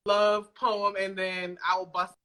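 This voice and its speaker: Bright-voiced woman in casual conversation. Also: mid-range voice, little pitch movement, slow. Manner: candid, informal, freely swearing. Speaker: podcast guest, poet and audio drama creator. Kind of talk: casual chat.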